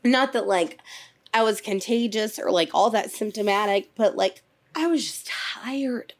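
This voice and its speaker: A woman's voice: medium pitch, unhurried. A woman in her thirties co-hosting a podcast, blunt and swearing freely as she tells dramatic stories, worn out after an illness. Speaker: podcast co-host. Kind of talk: casual chat.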